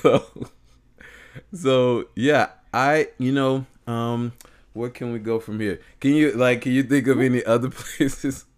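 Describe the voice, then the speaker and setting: A man's voice: mid-range voice, steady tone, measured pace, clear, resonant tone. A man who sings and has a big voice, co-hosting a casual chat with hesitant restarts and easy laughter. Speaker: podcast co-host, singer.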